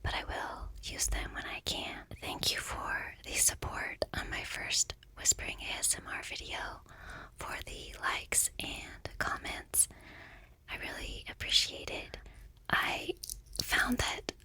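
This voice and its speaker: Whispering softly, a middle-aged ASMR creator reads aloud from a book. Her delivery is quiet, gentle and unhurried, meant to soothe.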